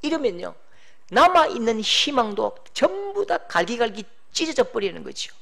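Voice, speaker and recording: A middle-aged pastor preaching a sermon, animated, acting out quoted voices and shouting for emphasis. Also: male voice, very high voice, normal speed, gravelly.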